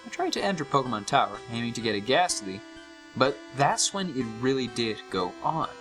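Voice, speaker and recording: A man giving an expressive, scripted first-person narration of a horror story. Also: medium pitch, a little fast, loud music behind the voice.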